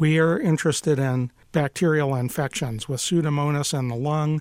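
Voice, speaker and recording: A man with an ordinary speaking voice, fairly high pitch, fairly even intonation and moderate pace, on a very clean recording with a silent background. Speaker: microbiologist. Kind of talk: interview explaining research.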